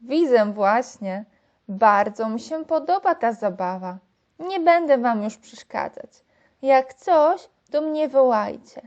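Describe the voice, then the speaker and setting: A woman voicing a caring mother in a storybook, speaking calmly and motherly. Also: fairly high pitch, slow, lo-fi sound. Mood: approving. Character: warm, caring mother of young children.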